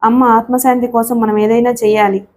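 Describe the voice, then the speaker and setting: A woman's voice: on the high side, little pitch movement, normal speed, a little mellow, a little hiss or hum, close to an everyday voice. A woman voicing a young married woman who pleads tearfully and insists she is right, in a read-aloud story. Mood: tearful pleading.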